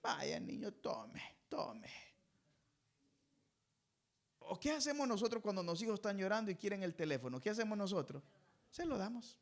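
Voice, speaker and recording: A man's voice: high-pitched, lively intonation, fast talker. A man preaching a sermon as pastor. He talks emphatically to his congregation, calls them brothers and has them fill in the ends of his sentences. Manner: emphatic, addresses listeners as brothers.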